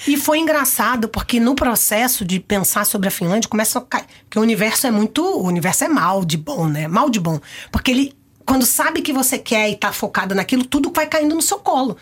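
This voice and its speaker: A middle-aged Brazilian woman with a Brazilian accent, a guest on a talk show, telling stories in a lively, expressive way into a studio mic. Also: fairly high pitch, fairly quick, slightly rough. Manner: animated, expressive storyteller. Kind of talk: casual conversational interview. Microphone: studio microphone.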